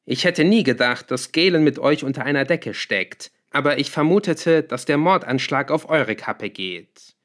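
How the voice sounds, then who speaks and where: A man's voice: on the high side, animated, moderate pace, fairly bright tone, pitched above the performer's own voice. A man doing a defiant young apprentice. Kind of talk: audiobook character voice.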